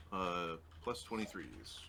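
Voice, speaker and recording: A man acting as game master of a tabletop roleplaying game, talking casually and haltingly as he works through rolls and numbers. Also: sits low, vocal fry, background noise. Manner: casual, halting while working out numbers aloud.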